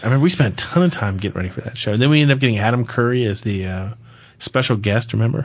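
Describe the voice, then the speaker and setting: A man with an American accent talks at a very fast pace in a somewhat breathy, medium-pitched voice with ordinary pitch variation over a quiet background. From Florida. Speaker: podcast host. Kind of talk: casual chat.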